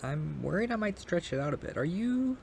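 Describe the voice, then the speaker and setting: A man's voice: fairly high pitch, very animated, brisk, vocal fry, darkish tone, a little hiss or hum. A man playing a shy, polite and kind young male neighbor in an intimate ASMR roleplay, speaking hesitantly and apologetically, with stammers. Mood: grateful, shy.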